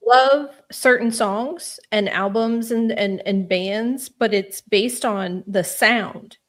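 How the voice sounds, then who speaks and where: Mid-pitched woman rambling casually. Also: slow pace. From Spain. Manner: rambling, thinks aloud with many fillers. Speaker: host. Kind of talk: casual livestream chat.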